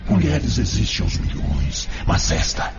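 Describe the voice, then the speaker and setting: A man's voice: on the low side, wildly swooping pitch, unhurried, vocal fry, heavily acted. A man playing a sinister, seductive, lustful vampiric spirit in a radio drama, insinuating and persuasive. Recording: muffled audio under very loud music.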